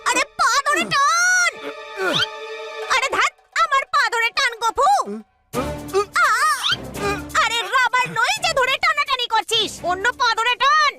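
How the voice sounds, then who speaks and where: An actor voicing an excitable, childlike, cheeky animal hero in a Bengali cartoon dub, with theatrical exclamations. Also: very high voice, slow. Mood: exasperated. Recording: loud music behind the voice. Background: loud children's cartoon music.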